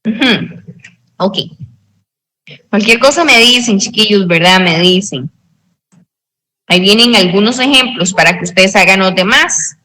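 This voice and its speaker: Woman English teacher, bright voice, unhurried and patient, keeps checking in with the class. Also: mid-range voice, a little hiss or hum, poor audio. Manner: slow, patient explaining with frequent check-ins. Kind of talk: online grammar tutoring in Spanish.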